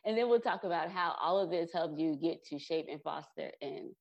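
A woman's voice: lowish voice, normal speed, a little mellow. A woman hosting a podcast, chatting casually and offering encouragement and praise. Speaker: podcast host. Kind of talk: casual interview chat. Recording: dull lo-fi audio.

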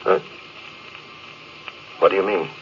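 An actor playing a proud, rigid, ambitious middle-aged space officer in 1950s radio drama. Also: male voice, slow pace, natural voice. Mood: indignant. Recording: muffled, hissy old radio recording.

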